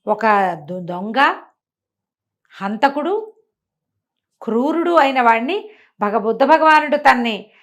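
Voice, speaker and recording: A woman telling moral tales aloud in an animated, conversational way, explaining as she goes and acting out dialogue. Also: high voice, takes it slowly, pauses often. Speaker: storyteller.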